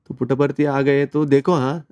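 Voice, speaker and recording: A man tells his own story as an interview guest. His voice is mellow and relaxed, and he talks earnestly, slipping English words into his speech. The recording is dry and close. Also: mid-range voice, moderate pace, clear, resonant tone, no echo. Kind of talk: conversational personal testimony.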